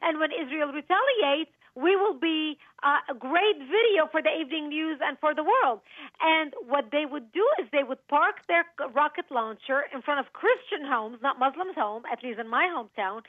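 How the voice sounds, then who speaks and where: Woman, from Lebanon, high voice, emphatic guest on a tinny phone line. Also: lively intonation, moderate pace, no echo. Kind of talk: radio interview. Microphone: telephone.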